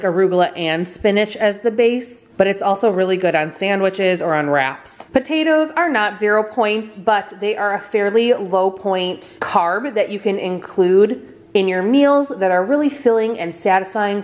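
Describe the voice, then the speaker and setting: A woman in her thirties casually narrating a grocery haul in her home kitchen, chatty and relaxed, with easy fillers. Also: mid-range voice. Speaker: vlogger.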